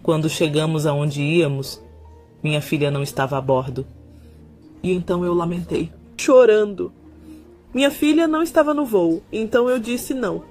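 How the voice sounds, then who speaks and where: A woman's voice: on the low side, expressive, moderate pace, a little mellow, faint music behind. A mother giving an earnest religious testimony of a vision, often repeating her words. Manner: earnest, repetitive retelling.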